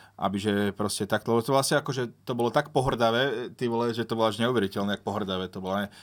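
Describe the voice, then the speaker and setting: Very fast speech from a man, captured as a very clean recording against a silent background. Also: medium pitch for a man, ordinary pitch variation. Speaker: stand-up comedian. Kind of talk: stand-up comedy, riffing in a jokey, rapid-fire way. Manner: animated, joking, sarcastic.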